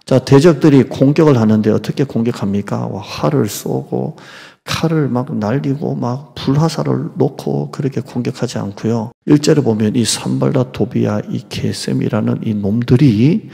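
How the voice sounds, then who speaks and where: A man delivers a dramatic sermon in a gravelly, husky voice. He drops to hushed asides and rises to loud mocking taunts. His words ring out with the long reverb of a church hall. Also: medium pitch. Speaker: pastor. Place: church sanctuary.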